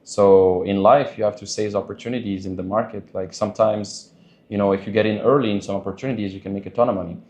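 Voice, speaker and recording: A man talking casually as a podcast guest, loose and chatty, laughing often and filling pauses with "like" and "you know". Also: on the low side, fairly even intonation, darkish tone, echoey room. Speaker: podcast guest, dating coach. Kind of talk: casual interview talk.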